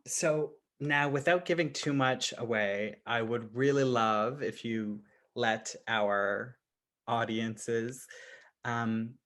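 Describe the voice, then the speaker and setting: A man's voice: mid-range voice, a bit bright. A man facilitating an informal roundtable, asking questions in an encouraging, carefully phrased way. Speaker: program facilitator, interviewer.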